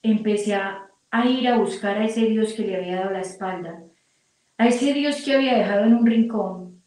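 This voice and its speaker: A woman's voice: mid-range voice, normal speed, a little mellow. A middle-aged woman from Colombia telling her personal faith testimony in an earnest, emotional way. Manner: earnest, quotes her own prayers aloud. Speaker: testimony speaker. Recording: very echoey room, distant mic.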